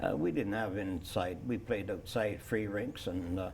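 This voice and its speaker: Audible room echo surrounds a somewhat breathy man with an Ontario accent who speaks at a fairly slow pace with fairly even intonation. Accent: Canadian (Ontario). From Peterborough, Ontario, Canada. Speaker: retired baseball manager. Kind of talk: interview. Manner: halting, many fillers.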